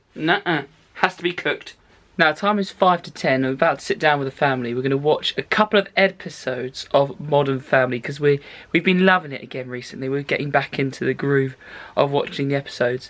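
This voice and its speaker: Someone speaks very fast with a British accent. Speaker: fitness and nutrition coach vlogger. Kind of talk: casual vlog. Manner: animated.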